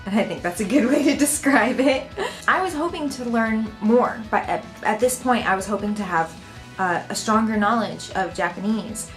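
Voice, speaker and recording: An American woman talks to her camera at home in a relaxed, chatty way and often laughs. Her voice sits at an ordinary pitch for a woman. Soft music plays faintly behind her. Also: moderate pace. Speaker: vlogger. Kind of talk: casual talk to camera.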